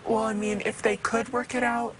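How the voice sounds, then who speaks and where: A twelve-year-old girl speaks through a voice disguise that lowers and alters her voice so her identity stays hidden. She gives short, hesitant answers. The studio recording carries clear background noise. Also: little pitch movement, normal speed. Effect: voice altered and lowered to hide identity. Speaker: talk show guest. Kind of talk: studio interview.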